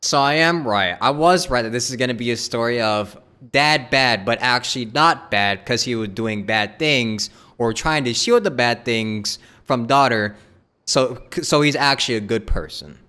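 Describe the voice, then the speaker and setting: A man reacting casually to a game on a livestream, excitable and sweary, often repeating his phrases. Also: medium pitch, normal speed, clear, resonant tone. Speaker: game streamer. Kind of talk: casual live gameplay reaction.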